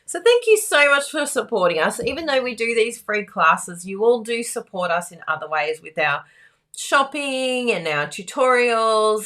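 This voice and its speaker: A woman with a croaky voice, hosting a live card-making class in a chatty, giggly, self-teasing way. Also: fairly low pitch, a bit bright. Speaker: card-making instructor and livestream host. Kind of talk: live craft class chat.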